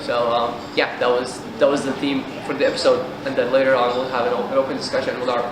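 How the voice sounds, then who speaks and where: A man's voice: medium pitch, flat delivery, fast, background noise. Man talking from far off in an echoey room. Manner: chatty, laughs often, fillers. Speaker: co-host. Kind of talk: casual chat.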